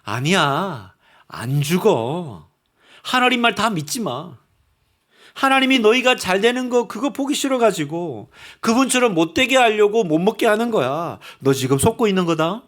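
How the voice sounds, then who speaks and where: A man's voice: sits high, very animated, moderate pace, a bit bright. A man voicing a scheming devil serpent, speaking in a coaxing, insistent way during a sermon. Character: scheming devil serpent, male, sly and persuasive.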